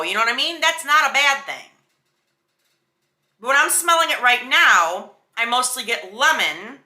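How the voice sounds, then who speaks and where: A woman's voice: fairly high pitch, bright, forceful tone. A woman giving a casual, chatty beauty product review in a sassy, emphatic, slangy way. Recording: roomy indoor echo.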